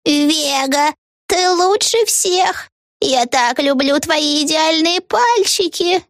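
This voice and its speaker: A woman voicing a scheming old witch who talks in a drawn-out, falsely tender sing-song. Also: sits high, expressive, no echo, studio quality, voice pushed up. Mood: sugary sing-song.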